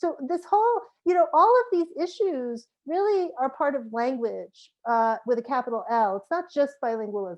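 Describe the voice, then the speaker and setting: A woman with a slight New York accent speaks in a high pitch with very wide pitch swings. She keeps a moderate pace with hardly any pauses against a quiet background. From New York City. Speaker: psychology professor. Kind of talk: lecture.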